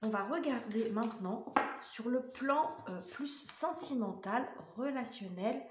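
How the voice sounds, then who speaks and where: A woman's voice: on the high side, a little slow, very noisy. Hesitant woman reading tarot, roomy echo. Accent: French. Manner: hesitant, many fillers and restarts. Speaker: tarot reader.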